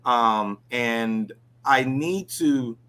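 A man in his forties from Ghana, a guest telling his life story in a relaxed interview, filling his talk with "you know" and "right?". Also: mid-range voice, very slow. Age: 40s.

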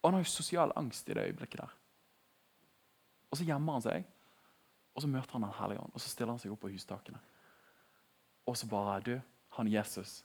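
A young man giving a casual, animated sermon in a conversational tone. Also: mid-range voice, slightly rough. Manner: conversational, animated, laughing at his own jokes. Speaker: preacher.

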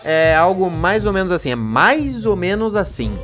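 A man hosting a casual solo podcast, rambling and joking, swinging between low mumbles and excited high bursts. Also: moderate pace, over music. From Brazil. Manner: rambling, joking, addresses his dog as co-host. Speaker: podcast host.

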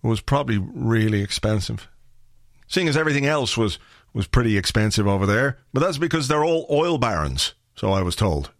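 Croaky Irish man rambling on a podcast. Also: medium pitch, sing-song, fairly quick, dry recording, clean studio sound. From Ireland. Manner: rambling, wry and chatty, with filler words. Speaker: podcast host. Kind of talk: casual solo podcast chat.

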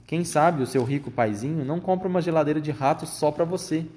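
A clever young boy turned into a mouse, talking calmly and persuasively in a slightly raised voice, as a man reading a storybook puts him on. He reasons patiently and urges his friend on. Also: a little high, brisk, natural voice. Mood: urging.

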